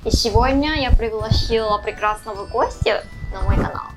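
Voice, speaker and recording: Female host, 20s, native Korean with Korean accent, fairly high voice, casual interview, clear music bed. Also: moderate pace. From South Korea.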